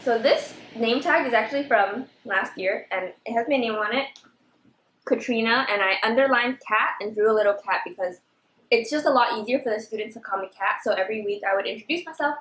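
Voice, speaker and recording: A woman's voice: fairly high pitch, brisk, a bit bright. A young woman chatting casually in an eating vlog, bubbly and talkative, filling her speech with "like". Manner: bubbly, chatty, says "like" often. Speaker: vlogger. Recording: echoey room.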